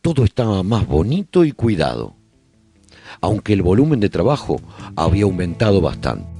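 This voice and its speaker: Survivor narrator for a radio serial: low, creaky voice, measured storytelling, very close dry sound. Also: male voice, huge pitch swings, warm tone, faint music behind, exaggerated voice. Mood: reflective storytelling. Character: male survivor chronicling life in a post-apocalyptic colony. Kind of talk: scripted first-person narration, radio drama.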